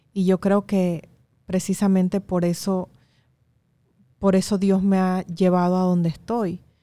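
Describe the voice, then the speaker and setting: On a very clean recording with a silent background, a dark, mellow voice holds a very even loudness and a monotone, flat intonation, broken by long, frequent pauses. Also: woman, medium pitch for a woman, fairly slow pace. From Panama, rural Veraguas and San Miguelito. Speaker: foundation founder and speaker. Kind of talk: interview.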